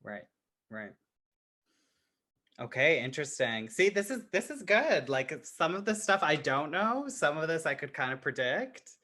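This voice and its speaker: A man's voice: a little high, big pitch swings, measured pace, bright, forceful tone. A man facilitating a roundtable conversationally, affirming others and thinking aloud. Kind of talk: conversational hosting.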